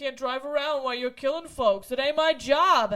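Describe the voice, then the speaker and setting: This is a put-on character voice with a high pitch. It moves along at a moderate pace. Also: female-sounding voice. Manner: gruff.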